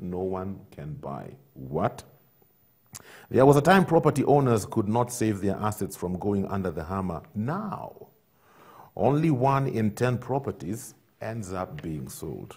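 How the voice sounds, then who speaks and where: Delivered at a fairly slow pace over a quiet background, the voice carries vocal fry and very wide pitch swings. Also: man. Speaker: TV show host. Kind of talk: newspaper review, broadcast presenting. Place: studio. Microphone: lapel.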